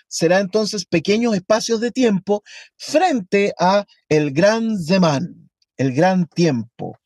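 A man teaching a lesson on a Hebrew text, speaking slowly and deliberately, into a close mic. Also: high-pitched, darkish tone, no room sound. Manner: slow, deliberate, reads Hebrew aloud.

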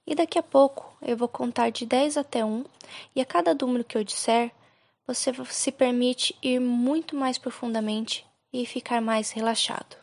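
Brazilian lady doing a calming sleep hypnosis narration, slightly high voice, slow gentle instructions w pauses, very dry sound. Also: no room sound. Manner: soothing, unhurried, instructing with pauses. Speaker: hypnosis and relaxation guide.

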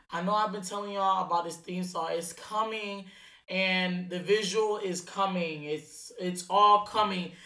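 Alone on the mic in an echoey room, a podcast host talks in a slangy, casual monologue stuffed with fillers. Her voice sits on the low side, bright and forceful.

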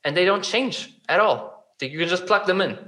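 A man's voice: sits high, expressive, moderate pace, pushed and bright. A man in casual conversation, explaining ideas through examples, hesitant with frequent fillers and restarts. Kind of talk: casual conversation about chatbot design.

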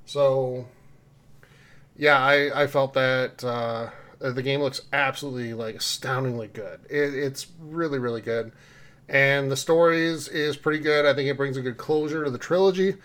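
A man's voice: medium pitch, steady tone, moderate pace, fairly bright tone. A man hosting a podcast in a casual, conversational way, speaking informally to co-hosts and listeners. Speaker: podcast host. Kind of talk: casual podcast talk with community announcements.

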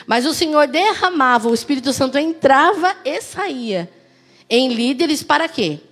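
A woman with a Brazilian Portuguese accent preaching a sermon, full of rhetorical questions and lively personal stories. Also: sits high, moderate pace, faint music behind.

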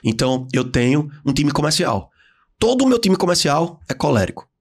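A Brazilian man guesting on a podcast, talking in slangy casual chat and acting out the people he describes in sudden high voices. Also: big pitch swings, moderate pace, slightly rough. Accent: Brazilian Portuguese. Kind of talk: animated casual podcast talk. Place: podcast studio.

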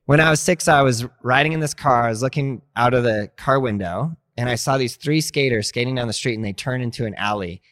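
A man's voice: mid-range voice, a little fast, hardly any pauses, no room sound. A man in his late thirties from Montana, guest in a casual interview, telling stories with lots of fillers and acting out his past thoughts. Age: 30s. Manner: animated, many fillers, acts out past thoughts. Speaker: guest, skateboard instructor.

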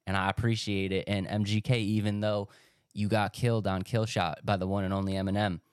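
Low-voiced laid-back young man, dry sound. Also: fairly quick, clear, resonant tone, no echo. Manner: relaxed, joking, lots of fillers and laughs. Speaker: podcast co-host. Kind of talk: casual chat.

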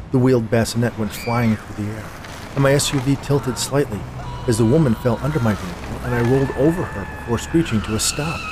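Low-voiced man narrating a suspense story. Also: background noise. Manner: measured, dramatic delivery with deliberate pauses. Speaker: podcast host and narrator.

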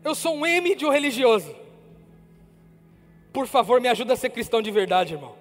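A man's voice: very high voice, animated, a little fast. A Brazilian-accented preacher voicing a remorseful young male churchgoer who pleads earnestly in confession. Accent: Brazilian Portuguese. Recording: reverberant hall, faint music.

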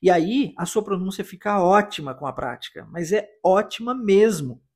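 Husky-voiced Brazilian man teaching English. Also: sits high, expressive. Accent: Brazilian Portuguese. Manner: explanatory, repeats phrases slowly for listeners. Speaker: English teacher and podcast host. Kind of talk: podcast English lesson.

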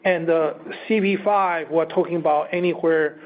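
A male company executive answering analyst questions on an earnings call, halting and often restarting as he repeats words. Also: on the high side, steady tone. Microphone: conference call line. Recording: narrow phone-like line, faint noise.

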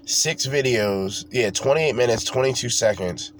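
A man's voice: mid-range voice, unhurried, low-quality recording. A man with a congested, stuffy voice, chatting alone into his home microphone as host of his podcast. His speech is loose and rambling, tossing in casual swearing, with a faint hiss of noise underneath. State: congested from a cold. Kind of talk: casual solo podcast talk.

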